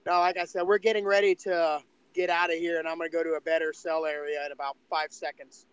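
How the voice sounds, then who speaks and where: A man's voice: fairly high pitch, level tone, fast, fairly bright tone, smooth, no echo. A man chatting casually on a podcast over a dull, lo-fi mobile connection.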